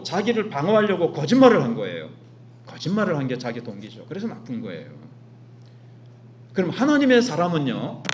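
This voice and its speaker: A man with a Gyeongsang dialect preaching a Sunday sermon as pastor, asking the congregation questions and answering them himself. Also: on the high side. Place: church sanctuary. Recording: dull recording with faint hum.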